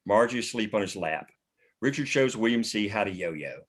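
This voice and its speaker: A man serves as narrator at a table read. He reads scene headings and action lines as scripted narration, in a lowish voice. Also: expressive, moderate pace. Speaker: narrator reading stage directions.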